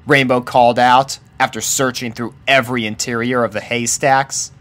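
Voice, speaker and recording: A man's voice: mid-range voice, little pitch movement, moderate pace, a bit bright. A man reading a scripted story aloud as the narrator of fan fiction.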